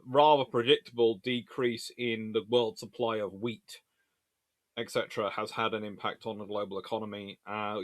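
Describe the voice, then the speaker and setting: A man's voice: on the low side, dry recording. A man hosting a casual question-and-answer session, rambling and hesitant as he thinks aloud. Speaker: host answering viewer questions.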